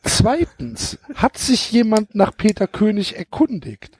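High, lively man mocking a story. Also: a little slow, a little hiss or hum. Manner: animated, acts out scenes mockingly. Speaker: podcast co-host. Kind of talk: casual comedic chat.

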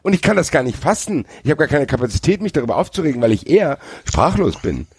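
A man's voice: fairly high pitch, big pitch swings, fast, slightly rough, dry recording. A man hosting a casual podcast, speaking in an incredulous, conversational way. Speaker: podcast host. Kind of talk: casual chat.

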